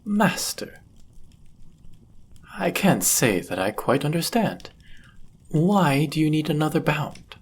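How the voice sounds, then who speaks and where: A man's voice: fairly high pitch, very animated, slow pace, long pauses, slight background noise, full character voice. A man playing a powerful demon, a devoted and possessive servant, with formal, theatrical phrasing in a fantasy audio roleplay. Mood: jealous, indignant.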